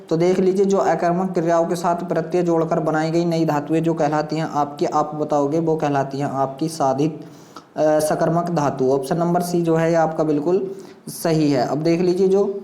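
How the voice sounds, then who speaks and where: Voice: medium pitch, a little mellow. Echoey room, exam coaching teacher, reading questions and options aloud, repetitive direct address to learners.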